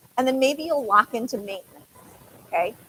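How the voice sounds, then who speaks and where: Animated in tone and fairly high-pitched, a woman speaks in a dry, close recording with no echo, though noticeable background noise is present. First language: not English. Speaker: physician speaker. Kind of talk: conference talk. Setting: stage with audience.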